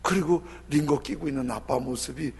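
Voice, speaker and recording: A male pastor preaching a sermon, telling a story with emotive swings between loud and hushed. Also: fairly high pitch, moderate pace, vocal fry, breathy edge. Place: church sanctuary. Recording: long church hall reverb.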